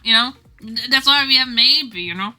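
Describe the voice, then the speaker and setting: A woman streams herself drawing game art, rambling casually to her chat in a teasing, giggly way at a moderate pace. Her voice is strikingly bright and forward and sits a little high. Soft music plays in the background.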